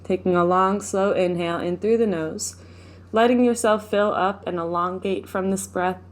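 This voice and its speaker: A woman leading a guided meditation, speaking gently and without hurry, giving instructions with pauses. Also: medium pitch, steady tone. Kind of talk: guided meditation, live session.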